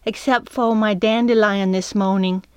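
A woman doing a quiet little girl. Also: medium pitch, steady tone, normal speed, clear, resonant tone, no room sound, lightly acted. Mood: plain. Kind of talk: audiobook character voice.

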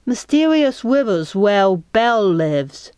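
A woman doing a quiet little girl. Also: mid-range voice, big pitch swings, slow, smooth, no room sound. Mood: plain. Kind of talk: audiobook character voice.

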